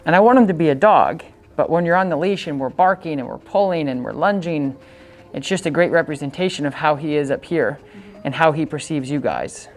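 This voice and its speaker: A woman's voice: low-pitched, brisk. A woman working as a dog trainer, coaching owners in a casual, chatty way and breaking off to give the dog short, upbeat commands.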